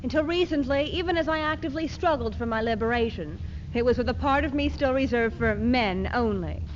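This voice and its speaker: A woman's voice: on the high side, a little fast, natural voice. A woman playing a determined, newly independent feminist in a readers theater monologue. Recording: dull 1970s archive recording, faint noise.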